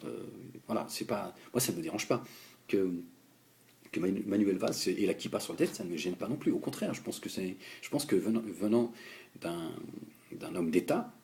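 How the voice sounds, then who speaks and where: A young French man giving a heated political monologue, halting and repeating words as he addresses a politician directly. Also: deep voice, vocal fry, darkish tone. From France. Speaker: political commentator.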